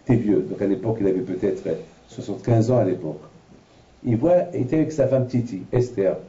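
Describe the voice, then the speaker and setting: A Moroccan rabbi with a lowish voice and a brisk pace teaches a Torah class at an evening lecture in a large room, animatedly telling personal stories and acting out the voices in them. The lo-fi recording sounds dull, distant, and echoey.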